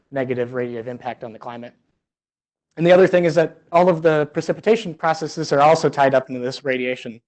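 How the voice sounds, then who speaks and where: A man speaks as a scientist giving a seminar. His pitch sits in a middle range, and he explains things informally, reworking sentences as he goes. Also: a little mellow. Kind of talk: informal academic seminar presentation.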